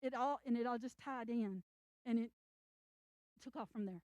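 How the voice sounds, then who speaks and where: A woman's voice: fairly high pitch, dark tone, no room sound. An older woman author giving an earnest, encouraging talk to an audience at a library event. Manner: earnest, encouraging, speaks slowly with emphasis. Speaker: children's book author.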